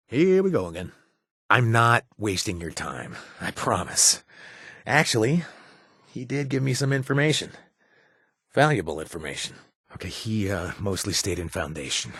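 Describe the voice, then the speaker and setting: Game ally: a wisecracking young ex-raider barkeep, husky low voice, lively swings, dry booth sound. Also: male voice, dry recording, exaggerated voice. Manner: chatty, joking, self-deprecating. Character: wisecracking male ex-raider turned bartender. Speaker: companion character. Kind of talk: video game voice lines.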